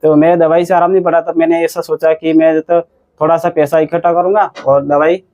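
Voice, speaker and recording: Man, 20s, slightly high flat voice, halting rambling patient testimonial, dull lo-fi recording. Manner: rambling, halting, with frequent restarts. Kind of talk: conversational interview storytelling.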